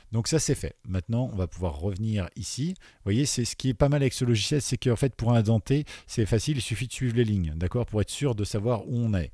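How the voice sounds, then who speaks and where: A man with a low, mellow voice walks beginners through a coding exercise, pausing with fillers and asking if they follow. His voice goes quieter as he types. The sound is dry and close, with keyboard clicks behind. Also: no echo. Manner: explains step by step, often checks in with "d'accord?"; many fillers, trails off quieter while typing. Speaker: programming teacher. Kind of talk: screen-recorded coding tutorial. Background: keyboard typing.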